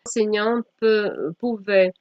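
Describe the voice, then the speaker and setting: A woman from Slovakia, a non-native speaker whose first language is Slovak, giving an academic presentation in a halting way with frequent self-corrections. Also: medium pitch, no room sound. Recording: dull lo-fi microphone sound.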